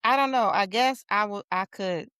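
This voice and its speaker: A woman's voice: medium pitch, normal speed, fairly bright tone, clear, resonant tone, no room sound, clean studio sound. A woman in her late forties co-hosting a casual chat show, talking bluntly and animatedly, acting out the people she quotes. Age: 40s. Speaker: podcast co-host.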